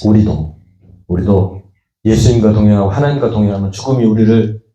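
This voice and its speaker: A man's voice: fairly low pitch, brisk, warm tone. A middle-aged man preaching a sermon as pastor, talking to the congregation in a conversational way and acting out the voices he quotes. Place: church sanctuary. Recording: echoey church room.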